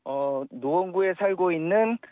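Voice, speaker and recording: A man's voice: sits high, animated, measured pace. A man in his thirties with a youthful-sounding voice, chatting politely as a caller to a radio quiz. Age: 30s. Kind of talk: casual, polite phone chat. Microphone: phone. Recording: dull, echoey phone line.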